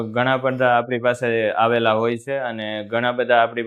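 With monotone, flat intonation, this man holds a medium pitch. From Gujarat, Saurashtra (Bhayavadar, Rajkot). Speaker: snack shop owner. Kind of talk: interview.

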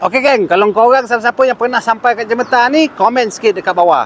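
Over light background noise, a man speaks at a moderate pace with an extremely high pitch and lively intonation, in a dry sound with no echo. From Malaysia, Johor (Jementah); Johor, Malaysia. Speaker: YouTuber; vlogger. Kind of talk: casual vlog narration. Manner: chatty, informal. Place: street. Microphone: lapel.

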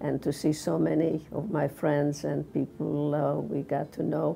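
A woman's very deep, low voice at a fairly slow pace, over light background noise. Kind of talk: interview answer. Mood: proud, warm. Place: empty room.

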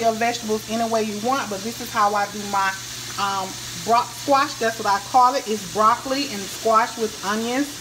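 With noticeable background noise behind her, a woman talks at a moderate pace with fairly even intonation. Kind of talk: casual cooking tutorial. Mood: relaxed, friendly. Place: kitchen. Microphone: phone near.

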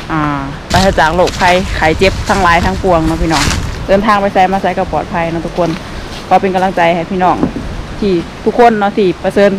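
A woman talks in a monotone, flat intonation, the sound dry with no echo and noticeable background noise behind her. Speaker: vlogger. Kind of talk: casual vlog chat. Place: forest. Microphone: phone near.

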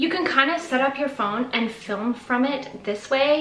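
Noticeable background noise runs beneath a woman's high-pitched voice as she speaks at a moderate pace. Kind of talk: casual vlog advice. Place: home room. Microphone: camera far.

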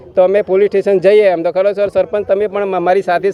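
A man with a high-pitched, monotone, flat voice is heard in a dry, close sound with no echo, with noticeable background noise behind him. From Gujarat, India (Banaskantha). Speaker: village head. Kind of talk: news interview statement.

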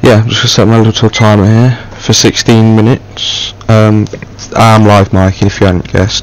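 A man talks at a moderate pace in a monotone with flat intonation. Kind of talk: casual gameplay commentary. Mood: a bit awkward, light-hearted.

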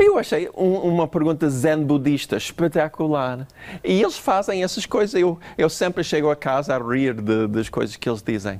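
A man with an English accent, fairly high in pitch, at a moderate pace, with very wide pitch swings. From United States. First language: English (speaking Portuguese). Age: 60s. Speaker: novelist. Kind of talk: interview. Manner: halting.

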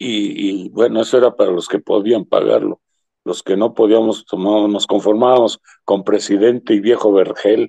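With a dark, mellow tone and fairly low pitch, a man talks at a moderate pace in monotone, flat intonation, the sound dry with no echo over a quiet background. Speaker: local historian; guest. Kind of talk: casual chat. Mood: reminiscing, conversational. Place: home room. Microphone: video call.

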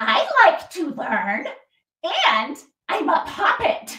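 A cartoonish character voice, high-pitched with very wide pitch swings and a very slow pace. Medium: puppet. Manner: upbeat.

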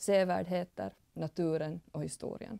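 A woman's very deep, low voice, dark and mellow in tone, with very wide pitch swings against a quiet background. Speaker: program coordinator. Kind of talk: formal welcome speech.

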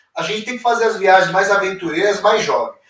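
The recording has audible room echo over a quiet background. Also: man. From Brazil. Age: 40s. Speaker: writer and teacher, YouTuber; teacher, YouTuber. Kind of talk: live online lecture. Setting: live stream. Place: home room. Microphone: webcam.

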